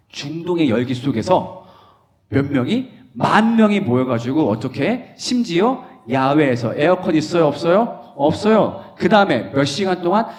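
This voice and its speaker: A man preaching a lively sermon to a youth conference, quizzing the audience and acting out scenes playfully. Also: on the high side. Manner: animated, questioning the audience, playful.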